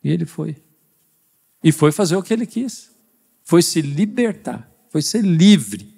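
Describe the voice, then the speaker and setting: A man's voice: on the high side, very animated, a little slow, vocal fry, mellow, breathy edge. A man with a Brazilian Portuguese accent preaching a sermon as pastor, speaking conversationally and quizzing the congregation with rhetorical questions. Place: church service.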